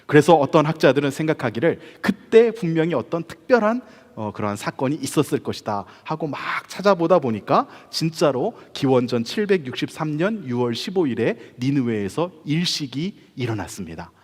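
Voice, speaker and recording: A man from Korea, a pastor, telling a story in a conversational sermon style with rhetorical questions. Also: medium pitch. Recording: church hall reverb.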